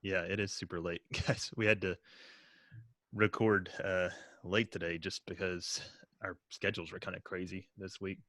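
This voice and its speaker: A man co-hosting a podcast late at night, relaxed and chatty, and quick to laugh. His voice is very deep. The room sounds dry and close. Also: no room sound. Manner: laid-back, laughs often. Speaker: podcast co-host.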